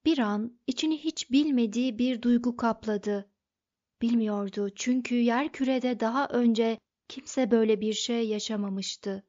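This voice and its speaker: A woman narrates an audiobook with a steady, even delivery. Her voice sits somewhat high for a woman. The recording sounds dull and lo-fi. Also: measured pace. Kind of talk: scripted narration.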